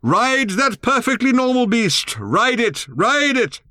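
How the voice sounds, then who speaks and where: A man voicing an old male tribal elder who shouts in slow, drawn-out bursts, stubborn and insistent. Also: high-pitched, lively intonation, clean tone, dry recording, studio quality, pitched above the performer's own voice. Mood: rousing. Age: older.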